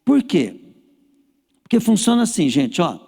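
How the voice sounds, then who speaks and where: Gravelly Brazilian pastor in a reverberant hall. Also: male voice, sits high, very animated, unhurried, darkish tone. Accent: Brazilian Portuguese. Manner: folksy, storytelling, addresses the congregation directly. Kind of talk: sermon. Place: church hall.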